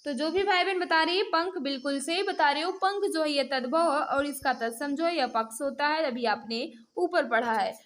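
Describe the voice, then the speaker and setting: Female online tutor, high voice, interactive mock-test delivery, repeatedly prompting learners and addressing them directly. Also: normal speed, hardly any pauses, fairly bright tone. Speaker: teacher hosting an online exam-prep class. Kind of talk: interactive mock-test lesson, quizzing viewers.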